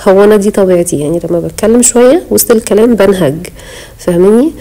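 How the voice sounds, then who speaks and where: Egyptian woman vlogger, breathless and chatty, mellow gravelly tone. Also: medium pitch, expressive, rapid-fire, low-quality recording. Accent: Egyptian Arabic. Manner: chatty, pious, talks straight to viewers. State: short of breath while talking. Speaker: home vlogger. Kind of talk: casual voice-over chat. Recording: voice-over.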